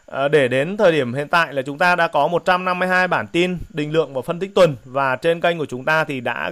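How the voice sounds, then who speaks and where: Male speech, fairly slow, ordinary pitch variation. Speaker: stock market analyst. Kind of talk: market analysis broadcast. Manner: hesitant, frequent fillers.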